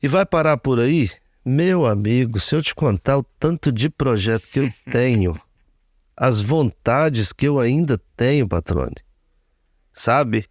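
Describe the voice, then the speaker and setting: A man's voice: medium pitch, animated, slow, dry recording, studio quality. A man in his fifties, a radio broadcaster, giving an earnest interview testimony and speaking often of his faith. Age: 50s.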